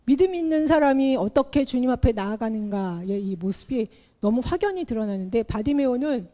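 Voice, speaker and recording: A middle-aged woman preaching a sermon in an animated way, acting out the Bible characters as she tells their story. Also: fairly high pitch, a little fast. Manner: animated, acts out the Bible characters in her telling.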